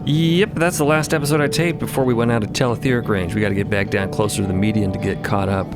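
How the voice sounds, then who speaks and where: A man's voice: lowish voice, fairly even intonation, fast. A man narrating a scripted audio drama in a dramatic, in-character storytelling style. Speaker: podcast narrator. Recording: loud music under the voice. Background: loud background music.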